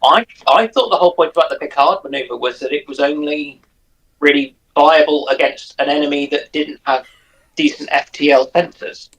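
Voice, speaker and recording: A man with a slightly high-pitched voice chats as a panelist. His delivery is casual and somewhat tentative, feeling his way through each point. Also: normal speed, fairly bright tone, poor audio. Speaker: panelist on a live discussion. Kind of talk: casual chat.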